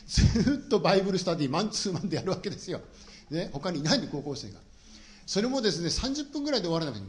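A middle-aged man preaches a sermon in a quick, animated delivery. His slightly high voice rises and falls freely as he shares humorous personal stories with the congregation. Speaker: pastor.

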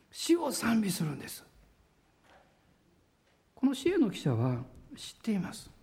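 A man pastor preaching a sermon in a church, with drawn-out pauses and a voice that sometimes drops to a near whisper. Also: very high-pitched, a little mellow.

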